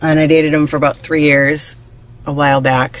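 A woman speaks at a moderate pace with a very deep, low pitch. The sound is dry, with no echo. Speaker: vlogger. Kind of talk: casual vlog chat. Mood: amused, chatty storytelling. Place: car. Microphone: phone near.

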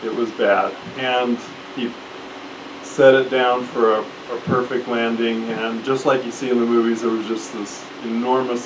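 The voice holds a monotone, flat intonation over noticeable background noise. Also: man. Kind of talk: talk. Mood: amused, storytelling. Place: shop.

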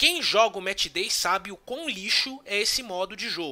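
Raised and projected, a man's bright, sharp voice carries lively intonation at a moderate pace. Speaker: gaming YouTuber. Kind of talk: frustrated rant about repetitive game content, venting to viewers. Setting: video recording for YouTube. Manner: weary, exasperated, complaining; apologetic, candid, venting.

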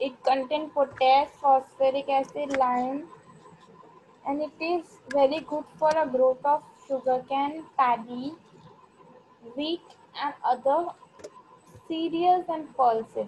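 A soft-spoken woman at a high pitch, at a very slow pace with long, frequent pauses and fairly even intonation, over noticeable background noise. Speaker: student tutor. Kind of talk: lecture. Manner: halting.

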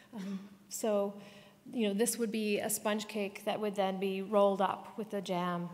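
At a fairly slow pace, a woman speaks with a Canadian accent. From Canada. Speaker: professor. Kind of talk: lecture. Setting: stage with audience. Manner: animated. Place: hall.

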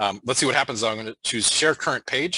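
A man talks at a very fast pace with lively intonation and a bright, sharp tone. The sound is dry, with no echo. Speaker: software trainer. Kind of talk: tutorial. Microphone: headset.

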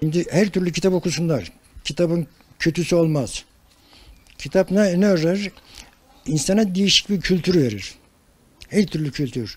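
A man with a high pitch speaks at a moderate pace, leaving long, frequent pauses. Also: ordinary pitch variation. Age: 70s. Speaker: retired avid reader. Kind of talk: interview answer. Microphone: handheld.

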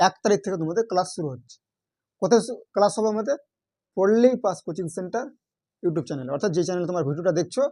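A man's high-pitched voice with a dark, mellow tone and lively intonation, in a very clean recording with a silent background. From Malda, West Bengal, India. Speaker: online tutor. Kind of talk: course announcement to students.

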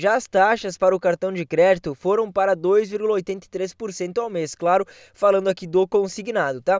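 Delivered at a fairly slow pace, the speech keeps a fairly even intonation. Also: man, high pitch for a man, dry, close sound with no echo. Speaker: news channel presenter on retirement benefits. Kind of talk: live news bulletin.

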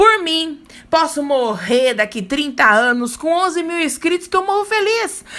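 A woman projects a raised voice at an extremely high pitch, with a bright, sharp tone. She goes at a very slow pace, and her pitch swings very widely. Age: 40s. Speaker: YouTuber on paranormal topics. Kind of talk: Q&A monologue.

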